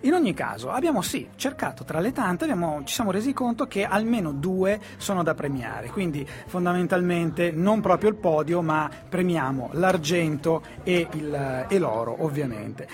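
Rambling male radio host, fairly high voice. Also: very animated, normal speed, hardly any pauses. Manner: rambling, repeats phrases. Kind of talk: casual radio chat.

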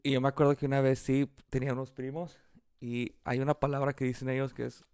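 A man's voice: mid-range voice, little pitch movement, quick pace, darkish tone, clear, resonant tone, no room sound, clean studio sound. A man from Los Angeles with a Mexican-American accent in Spanish, chatting casually with plenty of slang, swearing and bits of English. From Los Angeles, United States. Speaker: podcast co-host. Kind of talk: casual bantering chat.

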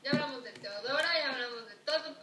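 A young woman from Yucatán with a Yucatecan accent, a podcast guest chatting casually and teasing with a quick laugh. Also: high-pitched, over a noisy crowd. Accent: Yucatecan Spanish. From Yucatán, Mexico. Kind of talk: casual chat. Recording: echoey room, distant mic, faint noise.

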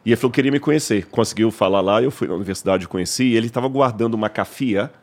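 A man's voice: fairly low pitch, racing, darkish tone. A Brazilian man, a podcast guest, telling a travel story in an enthusiastic, chatty way. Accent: Brazilian Portuguese. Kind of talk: casual storytelling.

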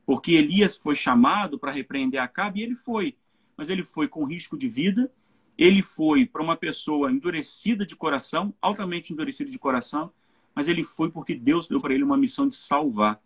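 A man's voice: fairly high pitch, fairly quick, slightly rough. A Brazilian man, a pastor, speaking earnestly in a live church talk and often checking in with his listeners. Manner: earnest, keeps checking in with "né?" and "entende?".

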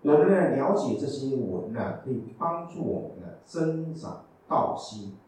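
Buddhist monk teaching in an echoey hall. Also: male voice, mid-range voice, expressive, a little slow, a little mellow, slight background noise. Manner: patient, explaining with rhetorical questions. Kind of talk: Buddhist dharma talk. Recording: echoey hall, mic from a distance, faint ambience.

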